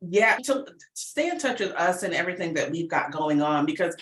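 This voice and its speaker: A woman with a bright, forward voice talks as an interview guest in casual, slangy language. Her delivery is animated and informal, and the recording has a noticeable room echo. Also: on the low side, fairly quick. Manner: animated, informal, peppers talk with slang and acted-out quotes. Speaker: podcast guest, writer and producer of audio fiction.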